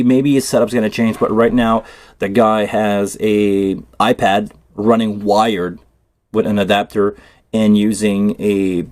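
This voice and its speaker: A man's voice: on the low side, a little mellow, dry recording. A man with a Quebec French accent, a native French speaker, hosting a casual livestream and chatting loosely while he works on a cable build. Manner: loose, rambling, thinking aloud while working. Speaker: live stream host. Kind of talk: casual tech livestream chat.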